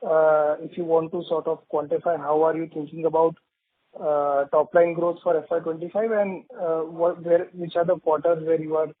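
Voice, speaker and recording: A man's voice: fairly high pitch, dry recording. A man with an Indian accent, an analyst putting questions on an investor call. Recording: dry, narrow phone line.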